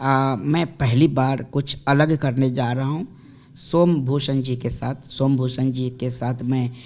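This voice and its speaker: A man talks with a Bihari accent. His intonation is monotone and flat. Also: medium pitch for a man. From India, Bihar (Muzaffarpur). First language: Bhojpuri (speaking Hindi). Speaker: actor. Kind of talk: interview.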